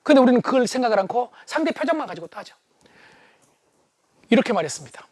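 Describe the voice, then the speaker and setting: Middle-aged man, high voice, lively humorous lecturer, dry close sound. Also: fast talker, dry recording. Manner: animated, shouting for emphasis.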